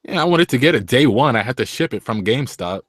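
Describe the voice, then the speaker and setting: A man in a casual gaming chat, relaxed and dryly humorous. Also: mid-range voice, fast talker, no room sound.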